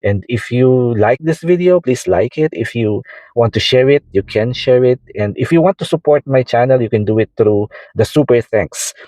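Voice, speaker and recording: Filipino guy teaching drawing, mellow voice, lots of uh and you know, kinda rambly. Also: mid-range voice, animated, normal speed, dry recording, rough recording. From Philippines. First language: Tagalog. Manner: rambling, repeats words, frequent fillers. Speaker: art tutor. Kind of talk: casual tutorial talk over drawing.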